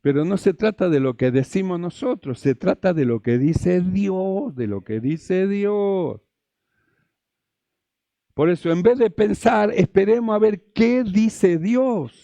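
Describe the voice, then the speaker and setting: A man's voice: sits high, animated, slow pace, gravelly, dark tone, no room sound. A male pastor, preaching a sermon, repeating phrases and asking the congregation rhetorical questions.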